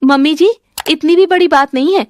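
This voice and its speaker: A woman voices a jealous, scheming young daughter-in-law who talks back shrilly and defensively in protest, pitching her voice above her natural one. It sits high at a moderate pace, recorded with studio quality and no echo.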